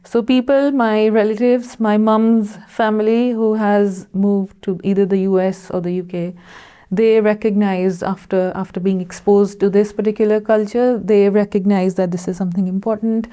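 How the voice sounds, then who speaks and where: A woman born in Kenya and raised in Pakistan, speaking in a measured, reflective way in casual conversation. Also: mid-range voice, steady tone, mellow, clear, resonant tone.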